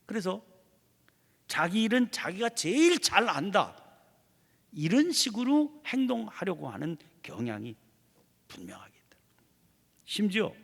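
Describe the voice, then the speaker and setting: High-voiced guy preaching, gravelly, big swoopy delivery, church echo. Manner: animated preaching, voicing imagined prayers. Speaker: pastor. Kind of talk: early morning prayer sermon. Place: church sanctuary.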